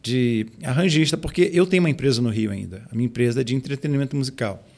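Gravelly middle-aged man, halting speech. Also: mid-range voice, darkish tone. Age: 40s. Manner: hesitant with frequent word repetitions. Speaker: pastor and music arranger. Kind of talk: casual podcast conversation.

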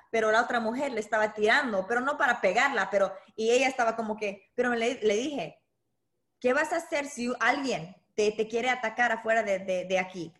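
High-voiced woman telling her story. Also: a bit bright. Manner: halting, many restarts, mixes English words. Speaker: interview guest, boxing coach. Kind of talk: conversational interview.

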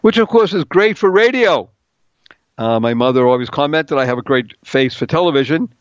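A man's voice: on the high side, expressive, normal speed, no room sound, muffled recording. A middle-aged man hosting a talk radio show, playful and upbeat, spelling out words letter by letter and singing little bits.

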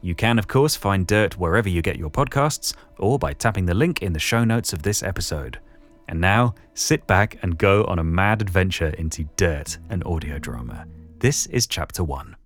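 Low british guy, podcast host doing a friendly-style intro, music behind him. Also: animated, moderate pace. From Britain. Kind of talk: podcast introduction, conversational recommendation.

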